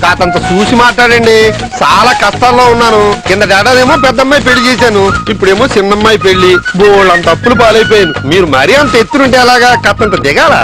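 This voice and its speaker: An actor voicing a fretful middle-aged father in a comedy film, haggling quickly and pleading about costs in a very high voice. Loud film music plays behind him. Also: lightly acted. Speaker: customer hiring cooks for a wedding. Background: film background score.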